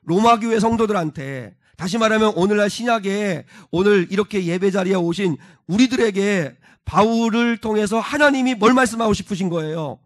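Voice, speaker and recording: High-voiced male pastor preaching. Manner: explains slowly, asks the congregation questions. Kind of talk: sermon. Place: church sanctuary.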